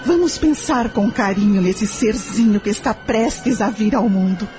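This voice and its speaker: Casting: woman to play middle-aged Brazilian wife and mother, earnest, principled, medium-pitched, radio drama. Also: expressive, unhurried, dark tone, soft background music, natural voice. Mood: tender, earnest.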